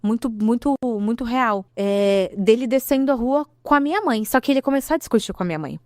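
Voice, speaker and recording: Woman in her thirties, emotional personal testimony, rapid speech, dry close sound. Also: a little high, dry recording. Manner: animated storytelling, acting out quoted dialogue. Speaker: guest giving a testimony.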